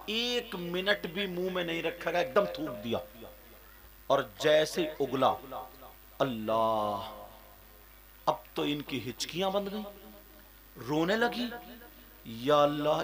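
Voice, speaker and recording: A man preaching a sermon, telling a story to a gathering and building to shouted, chanted peaks. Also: a little high, vocal fry. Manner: storytelling preacher who swells into shouted, sung-out climaxes.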